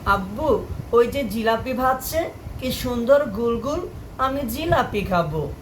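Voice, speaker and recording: A man's voice: very high-pitched, lively intonation, slow, a little hiss or hum, voice pushed up, exaggerated voice, poor audio. Man voicing an eager little boy. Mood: excited, pleading. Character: eager, cheerful eight-year-old boy.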